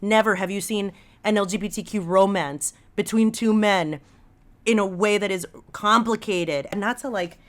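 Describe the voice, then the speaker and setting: Female podcast guest, medium-pitched, casual and slangy, drives points home with enthusiasm. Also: normal speed. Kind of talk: casual conversational podcast talk.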